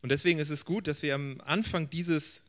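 A man's voice: a little high, fairly quick, fairly bright tone. A man working as a church interpreter, relaying a speaker's address informally in short consecutive phrases.

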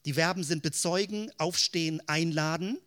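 A man's voice: on the high side, moderate pace, fairly bright tone. A man giving a theological teaching talk, explaining step by step in keyword lists and asking rhetorical questions. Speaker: Christian teacher.

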